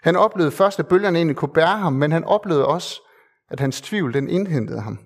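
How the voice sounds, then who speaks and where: Earnest Danish-speaking preacher, fairly high voice. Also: male voice, animated. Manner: earnest, conversational with fillers and repeated emphasis. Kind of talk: sermon.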